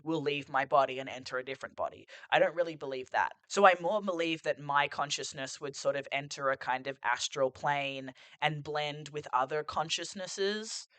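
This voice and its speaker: A podcast host talks in a reflective solo monologue, rambling and musing with lots of "like" and "sort of" as he sits on his couch at home, his voice giving out a little. He speaks at normal speed in a fairly high, slightly bright voice with few pauses, and there's no room sound.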